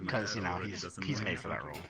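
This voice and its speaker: A man chatting casually with friends as an online roleplayer, in a joking, excitable manner. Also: deep voice, quick pace. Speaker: VRChat roleplayer. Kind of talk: casual chat.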